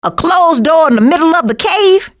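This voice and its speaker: A streetwise female skunk from a cartoon video game, with a high voice that swings widely in pitch. She has an American accent and a sassy, sarcastic manner. Her slangy wisecracks come out as punchy one-liners. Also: animated, moderate pace. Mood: wary, sarcastic. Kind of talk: video game character voice lines.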